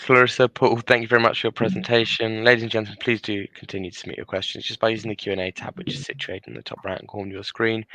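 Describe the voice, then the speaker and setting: Male webinar host, rapid patter, gravelly edge, dry close mic. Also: on the low side, fairly bright tone, no room sound, poor audio. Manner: brisk, polished, announcer-like. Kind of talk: scripted host link.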